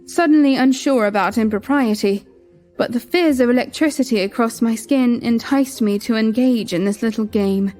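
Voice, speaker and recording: A young woman narrating in first person as a queen, measured and reflective. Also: a little high, mellow. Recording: music bed behind.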